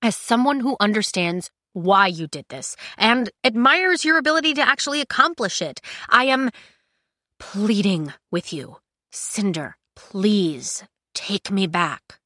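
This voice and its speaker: Woman voicing an indignant young emperor, bright, forceful. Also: on the high side, expressive, moderate pace, few pauses, no echo, clean studio sound, pitched above the performer's own voice. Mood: pleading. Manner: emphatic, exasperated, commanding. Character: indignant, pleading young male emperor, kidnapped. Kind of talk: audiobook character acting.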